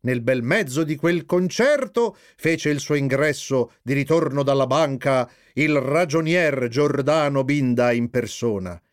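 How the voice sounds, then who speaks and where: A man narrating a children's story aloud in an expressive way. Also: medium pitch, a little slow, hardly any pauses. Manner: lively, expressive.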